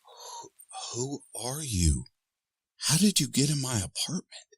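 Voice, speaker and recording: A man's voice: fairly low pitch, sing-song, unhurried, no room sound, pitched above the performer's own voice. A man voicing a shaken, incredulous young man, by turns panicked and sarcastic. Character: frightened, angry young man at his lowest.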